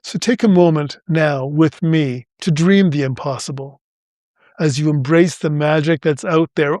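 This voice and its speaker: Male podcast host with a slightly high voice, reflective spiritual monologue, slow gentle inspirational reads, dry close sound. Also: no room sound. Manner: slow and deliberate, phrase by phrase.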